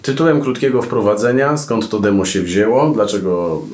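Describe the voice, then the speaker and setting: Male podcast host, low-set voice, lively ironic delivery, recorded in a reverberant room. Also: normal speed. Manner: animated storytelling, ironic, frequent asides. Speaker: podcast host and radio presenter. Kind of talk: casual advice talk to camera.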